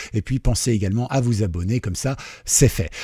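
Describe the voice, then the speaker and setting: A somewhat breathy man at medium pitch, dark, mellow and relaxed in tone, with ordinary pitch variation and a fairly quick pace. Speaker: webradio trainer and YouTuber. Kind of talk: casual talk to camera. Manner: conversational, relaxed, with filler words.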